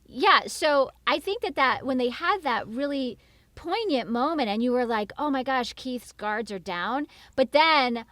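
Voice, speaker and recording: High-voiced, gushing woman, dry close sound. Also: animated, unhurried, a bit bright, no room sound. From New York. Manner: gushing, acts out quoted reactions. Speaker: podcast guest. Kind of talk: animated casual chat.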